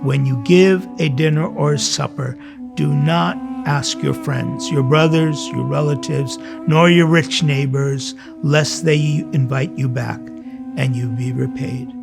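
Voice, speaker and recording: Man, 60s, priest-host. Heavy vocal fry, somewhat high-set pitch, conversational sermon style with earnest storytelling, over music. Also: steady tone, a little slow. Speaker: priest and host of a religious program.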